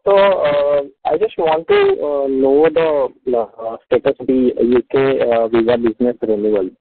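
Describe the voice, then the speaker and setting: A man's voice: medium pitch, big pitch swings, unhurried, creaky. A man calling in as an investor, his voice muffled as if through a wall, asking hesitantly with many fillers. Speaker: caller, individual investor. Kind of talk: asking questions on an investor call. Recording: muffled tinny phone line.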